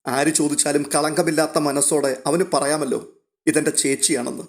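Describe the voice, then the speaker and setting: A worried, tender young sister from an audio storybook, her pleas pitched high and strained, as a male narrator puts her on. She sounds urgent and caring, pressing gently for answers. The voice is kept steady and close. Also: moderate pace, lightly acted. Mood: tearful. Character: anxious, tender young woman, loving elder sister.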